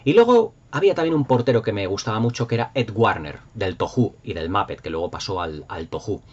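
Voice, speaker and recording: A dull, lo-fi recording of a middle-aged man with a fairly low voice and an accent from Spain. He talks as a host in casual, nostalgic commentary, rambling along with enthusiasm and leaning hard on his emphatic points. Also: lively intonation, brisk, a little mellow, husky. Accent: Spanish from Spain. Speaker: YouTube host. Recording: dull lo-fi sound.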